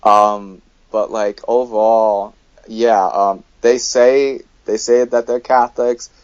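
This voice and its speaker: A man's voice: fairly low pitch, fairly even intonation, takes it slowly, clean tone, dry recording. A man from the United States, a guest in a casual conversation, who talks hesitantly with many fillers and gives blunt opinions. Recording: dull, dry lo-fi sound.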